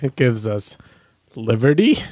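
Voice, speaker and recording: A man's voice: mid-range voice, sing-song, measured pace, warm tone, no room sound. A man chatting and joking casually as a co-host on a comedy radio show.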